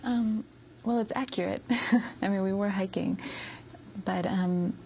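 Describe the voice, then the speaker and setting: Soft-spoken gravelly woman. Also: mid-range voice, fairly even intonation, takes it slowly, a little hiss or hum. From United States. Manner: hesitant, with many ums and soft laughs. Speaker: interview guest. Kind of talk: soft-spoken interview answers.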